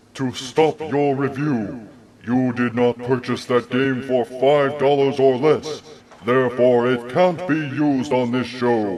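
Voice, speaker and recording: A man's put-on character voice, stern in tone and medium in pitch. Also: fairly slow pace. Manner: ominous, stern.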